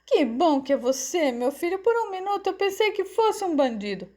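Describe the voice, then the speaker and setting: A woman's voice: sits high, huge pitch swings, moderate pace, a little mellow, pitched above the performer's own voice, heavily acted. A woman voicing a frightened, doting older mother in an audiobook story, anxious and motherly. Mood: relieved.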